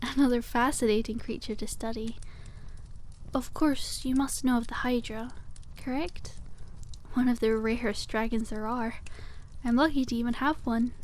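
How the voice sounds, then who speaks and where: Lady playing a cute friendly witch shopkeeper, asmr roleplay, soft n kinda high voice, bit of noise behind her. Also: fairly even intonation, normal speed, lightly acted. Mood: gently enthusiastic. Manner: soft-spoken, gently enthusiastic, explanatory.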